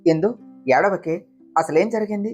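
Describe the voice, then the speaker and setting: Storybook figure: stern protective elder sister, read by a woman, sharp and scolding. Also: medium pitch, moderate pace, faint music behind, natural voice.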